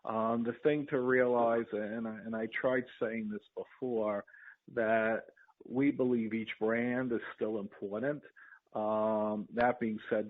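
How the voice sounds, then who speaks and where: Low-pitched male executive on tinny phone line. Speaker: company executive. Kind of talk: answering questions on an earnings conference call.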